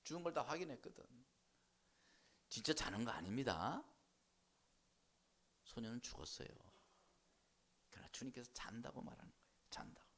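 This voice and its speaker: In church, a male pastor gives a lively sermon, urging the congregation to answer and voicing the people in his story. His pitch is medium and his pace moderate, with a breathy edge and long pauses.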